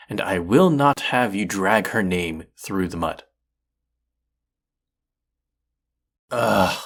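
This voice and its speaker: A man's voice: lowish voice, slightly rough, exaggerated voice. A man playing a proud, combative restaurant chef in an audio roleplay, indignant, condescending and sarcastic as he argues. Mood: heated, exasperated. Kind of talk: audio roleplay acting, one-sided dialogue.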